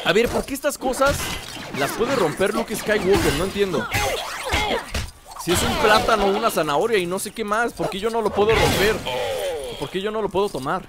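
Young man, gameplay commentary, high lively voice, jokey, game music behind. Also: normal speed. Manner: joking, animated, talks to the game. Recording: voice over loud game music.

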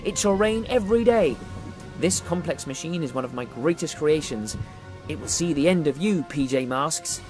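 A woman's voice: low voice, animated, a little mellow, pitched below the performer's own voice. A woman voicing a smug, scheming boy mad scientist who gloats and boasts in a children's toy story. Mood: gloating. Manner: gloating, boastful, drawn-out cackles. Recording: music behind the voice.

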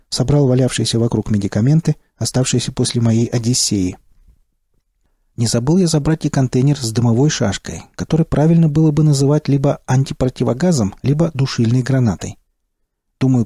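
A man narrating an audiobook in the first person with a steady, terse delivery. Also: medium pitch, breathy edge, no echo, studio quality.

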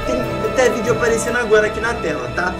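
A woman with a high voice hosts a gaming video as a playful storyteller. She questions her characters theatrically, like an accusing investigator, with music playing behind her. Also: animated, fast. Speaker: host of a gaming video channel. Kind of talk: playful improvised story narration with game characters.

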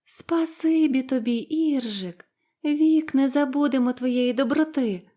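A woman voicing a crowd of tiny ants in a storybook, calling out loud and high for help, then giving thanks. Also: slow. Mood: grateful. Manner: high, loud pleading cries.

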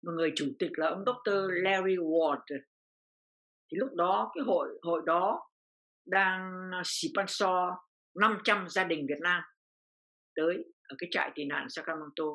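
Bright-voiced older woman telling her story. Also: lowish voice, unhurried. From Vietnam. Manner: repeats phrases, voice rising with feeling. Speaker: interview guest. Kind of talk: emotional personal storytelling.

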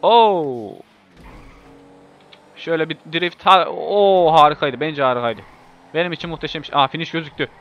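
A man commentating a racing game in a casual, excitable way, swearing and yelling when he crashes. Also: a little high, normal speed, pauses often. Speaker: gameplay video host. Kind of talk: live gameplay commentary. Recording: muffled lo-fi mic with faint hiss.

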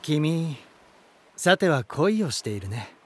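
An actor playing a flamboyant, self-assured romantic lighthouse spirit in an audio drama, theatrical and smug. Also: male voice, on the high side, sing-song, slow pace, exaggerated voice. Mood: smug, playful. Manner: theatrical, smug, smooth-talking. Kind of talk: audio drama character acting.

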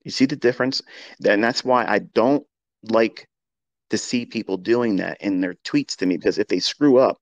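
Gravelly low-voiced man coaching traders. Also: normal speed, no echo, dull audio. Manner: earnest, repetitive coaching with spoken asides. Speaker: trading mentor. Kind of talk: live audio-room teaching monologue. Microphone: home microphone on a live audio stream.

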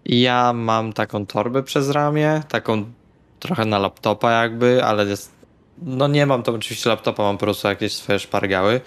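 A man's voice: medium pitch, moderate pace, clear, resonant tone. A man speaking casually and bluntly as a player in a tabletop role-playing session. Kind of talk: casual in-character banter in Polish tabletop session.

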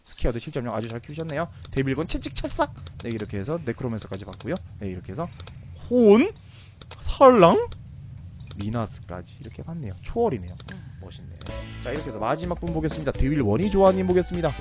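A man doing casual commentary as a game streamer, excitable and breaking into sudden loud shouts. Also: medium pitch, racing, few pauses, highs cut off, soft background music.

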